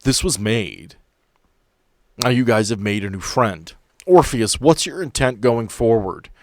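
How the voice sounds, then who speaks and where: A man working as game master, narrating a tabletop roleplaying podcast in measured, dramatic storytelling with drawn-out phrases. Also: mid-range voice, expressive, slight background noise.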